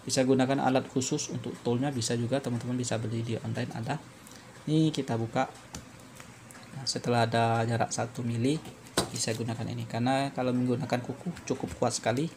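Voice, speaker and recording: Flat-toned man with gravelly creak. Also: mid-range voice, brisk, a little hiss or hum. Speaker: phone repair tutorial presenter. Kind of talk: unscripted step-by-step tutorial narration.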